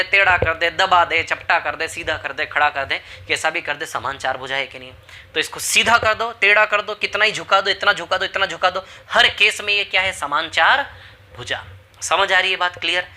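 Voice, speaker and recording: A man's voice: high voice, pushed and bright. A man teaching a maths lesson with a Hindi accent, repeating key phrases and checking that students follow. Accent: Indian Hindi. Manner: repetitive, emphatic, asks for understanding. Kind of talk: classroom lesson.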